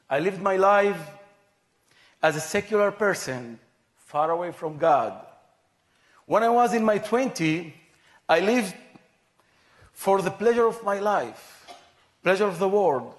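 A man from Israel, giving a personal testimony in slow, measured, plain phrasing. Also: sits high. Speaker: guest speaker.

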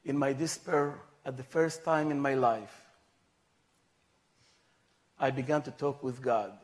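A man from Israel, giving a personal testimony in slow, measured, plain phrasing. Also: medium pitch, fairly even intonation. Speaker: guest speaker.

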